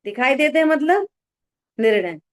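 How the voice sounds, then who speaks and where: A woman teaching a religious discourse in an expressive voice, often exclaiming and checking whether her listeners follow. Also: high-pitched, normal speed. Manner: keeps asking listeners if they follow; expressive, exclaims and acts out little dialogues. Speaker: spiritual teacher.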